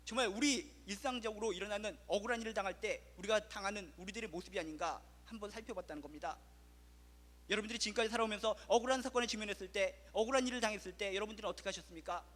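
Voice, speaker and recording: A man's voice: high voice, a bit bright, in a large hall. A male pastor preaching an impassioned sermon full of rhetorical questions, in a church.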